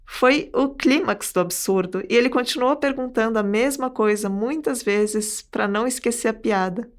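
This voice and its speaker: A woman's voice: on the high side, moderate pace. A woman with a Brazilian Portuguese accent, hosting a podcast and recounting an anecdote in conversational, scripted narration. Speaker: podcast host.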